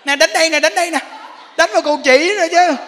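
A man voicing a fed-up angry wife who dares her husband to hit her, shouting. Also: fast, slight background noise, exaggerated voice. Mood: taunting. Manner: shrill, taunting, shouting. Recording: long hall reverb.

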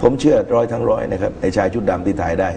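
A middle-aged man giving measured political commentary as a guest in a TV studio talk show, speaking into a lapel mic. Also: on the low side, steady tone, gravelly, mellow, a little hiss or hum. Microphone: lapel microphone.

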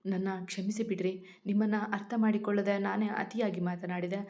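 A woman voicing a gentle, caring young wife who speaks softly and affectionately. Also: medium pitch, flat delivery, fairly quick, close to an everyday voice. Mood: soothing. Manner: soft, affectionate, apologetic.

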